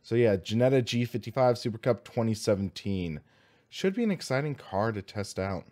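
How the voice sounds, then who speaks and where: A young American man hosts a livestream in a casual, upbeat way. His voice sits at an average pitch and is slightly hoarse. He talks informally and with enthusiasm, as if chatting to friends. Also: expressive, normal speed, dark tone. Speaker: host of a sim racing livestream.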